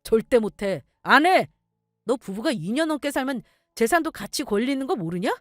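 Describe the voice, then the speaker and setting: A woman's voice: a little high, sing-song, moderate pace, no room sound, clean studio sound. A woman voicing an indignant, blustering husband in a told story. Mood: outraged. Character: blustering entitled husband, angry man.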